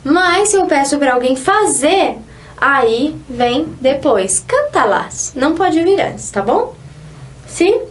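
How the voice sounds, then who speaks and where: High-voiced woman teaching Spanish. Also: animated. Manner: explanatory, slow, stresses example sentences. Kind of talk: online language lesson.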